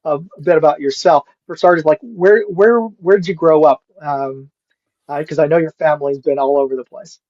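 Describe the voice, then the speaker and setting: A middle-aged American man hosting a casual live chat, speaking haltingly and often repeating himself. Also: a little high, no room sound, muffled recording. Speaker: live show host. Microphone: USB microphone.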